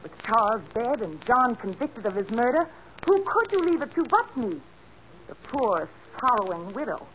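A woman's voice: a little high, very animated, moderate pace. An actress playing a greedy young woman who poisons her husband, menacing and mock-sweet, in 1940s radio acting on a dull old recording with hiss. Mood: cold.

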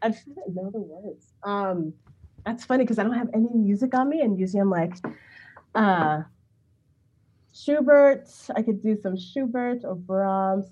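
A woman's voice: medium pitch, animated, a little slow, warm tone, dull audio. A woman with a big voice, a singer chatting in an interview, hesitant with many fillers and laughs, a little sick. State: sick, not warmed up. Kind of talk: casual interview chat.

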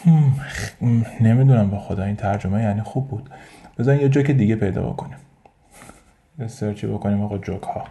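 Speaking in a lowish, warm voice, a Persian-accented man runs a casual solo podcast. He wanders as he thinks out loud, with plenty of fillers and false starts.

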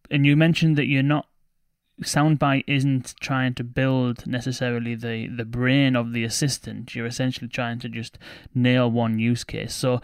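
Clear, smooth male interviewer, close and dry. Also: mid-range voice, dry recording. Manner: tentative, self-correcting, long-winded questions. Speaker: podcast host, interviewer. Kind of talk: conversational interview questioning.

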